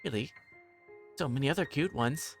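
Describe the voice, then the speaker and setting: A man's voice: medium pitch, lively intonation, moderate pace, faint music behind, pitched above the performer's own voice, close to an everyday voice. A man voicing a pushy, gushing woman customer who talks in a chatty, familiar way, in a visual novel.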